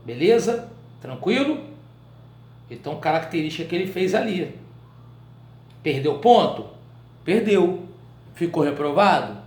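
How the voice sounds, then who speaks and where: Brazilian guy teaching writing, high-ish voice, keeps asking the class if they're following, roomy echo. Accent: Brazilian Portuguese. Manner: checks in often with short questions to students; colloquial, animated explaining. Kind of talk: live online writing class.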